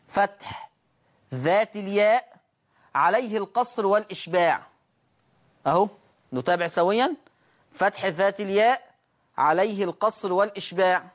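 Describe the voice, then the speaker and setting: A man teaching Quran recitation rules on a TV program. He asks rhetorical questions, answers them, and chants the example words slowly. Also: high voice. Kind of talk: televised recitation lesson.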